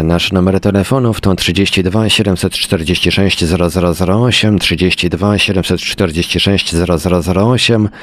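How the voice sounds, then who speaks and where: A man with a low voice presents a live radio show. He delivers introductions and announcements as the host at the controls. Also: dry recording. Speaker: radio host and technical producer.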